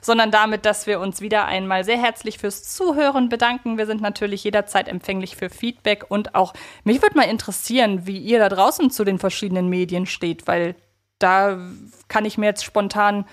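A woman with a German accent speaks as a podcast co-host in a conversational tone. Her voice sits at an average pitch. She is reflective and wordy, often rephrasing herself mid-sentence. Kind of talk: conversational fan podcast discussion.

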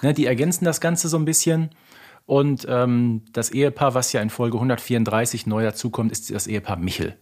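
A man's voice: mid-range voice, fairly quick, darkish tone. A man co-hosting a podcast, chatting casually and explaining bits of trivia and detail. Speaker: podcast co-host.

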